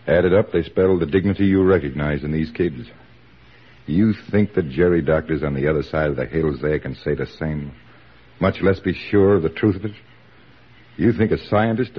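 Stern probing army doctor, very deep husky voice, muffled old radio sound. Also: male voice. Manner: firm, questioning and insistent. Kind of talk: 1940s radio acting. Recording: dull old radio broadcast recording.

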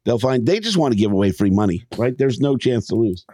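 A man's voice: medium pitch, expressive, fairly quick, mellow. A man co-hosting a sports podcast, moving between casual banter and informal ad reads.

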